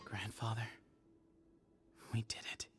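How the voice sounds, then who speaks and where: A man voicing a composed, earnest young leader of a desert temple in a video game, speaking in a measured, formal way. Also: lowish voice, little pitch movement, very noisy. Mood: hushed, reflective. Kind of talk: scripted video game acting.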